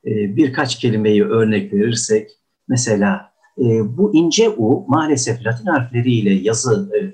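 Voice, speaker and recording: A warm, fairly low voice belongs to an older diction teacher giving a courtly pronunciation lecture. He often uses "efendim" and performs example words with exaggerated intonation.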